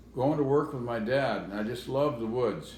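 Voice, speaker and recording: Audible room echo surrounds a man with an American accent, who speaks at a fairly slow pace with a medium pitch and ordinary pitch variation. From US Pacific Northwest, Quilcene, Washington. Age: 70s. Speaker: retired logger. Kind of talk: interview, life story reminiscence. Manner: halting, with false starts.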